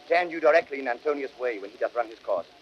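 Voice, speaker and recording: A man's voice: mid-range voice, animated, fast, lightly acted. A man playing an imperious, superstitious Roman ruler in vintage radio Shakespeare, declaiming formally and with command. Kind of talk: 1930s radio Shakespeare acting. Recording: dull, hissy vintage radio recording.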